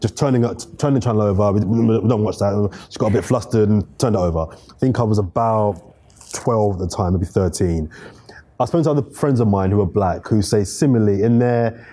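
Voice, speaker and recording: A man in his thirties hosts a discussion with a low, husky and mellow voice. He poses questions in a measured, thoughtful way. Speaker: host. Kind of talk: interview questions. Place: bright studio room, city view.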